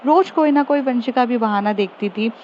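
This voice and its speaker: Woman storyteller narrating casually, chatty and rambly, fairly high voice, slightly muffled with a faint hiss. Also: moderate pace. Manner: chatty, with many fillers and restarts.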